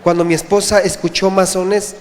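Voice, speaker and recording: A man from Mexico gives his testimony before a congregation, earnest and halting, stumbling over and repeating his words. His voice sits high for a man. It rings out with the long echo of a church hall. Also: little pitch movement, soft background music. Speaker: church member giving testimony. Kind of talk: personal testimony.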